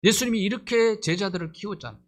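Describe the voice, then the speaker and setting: A man's voice: high-pitched, fast. A middle-aged male pastor delivering a sermon, pressing his points with rhetorical questions and rising emphasis.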